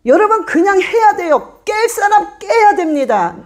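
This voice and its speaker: A woman's voice: very high-pitched, a little slow. A woman pastor preaching a sermon to her congregation, emphatic and repetitive, often acting out the voices of churchgoers. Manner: animated, acts out congregants' voices; emphatic, repeats commands.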